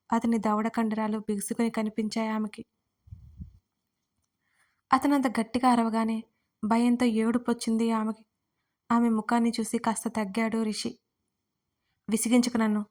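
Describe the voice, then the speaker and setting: A woman storyteller giving scripted narration of a romance story in an even, steady reading. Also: fairly high pitch.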